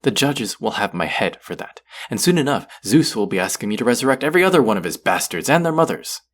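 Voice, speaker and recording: An actor playing a stern, haughty god of the underworld in an audio roleplay, speaking formally with an exasperated, grudging manner. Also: male voice, mid-range voice, sing-song, fast. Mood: exasperated, ranting. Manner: imperious, exasperated, formal speech with sighs. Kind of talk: scripted character audio roleplay.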